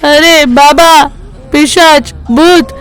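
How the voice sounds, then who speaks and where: A woman voicing a frightened, jumpy village man who pleads and exclaims, in an animated storybook. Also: sits high, drawn-out words, heavily acted. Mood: terrified.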